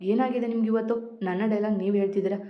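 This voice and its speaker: A woman's voice: mid-range voice, steady tone, fast talker, echoey room, natural voice. A woman voicing an affectionate young wife who talks in a playful, teasing way, part of a storybook reading. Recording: dull lo-fi recording.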